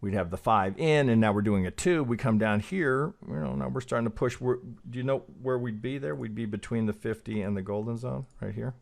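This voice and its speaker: A man's voice: mid-range voice, brisk, creaky, few pauses. A middle-aged man hosting a trading channel, talking casually through chart analysis, rambling, swearing and asking "right?" again and again.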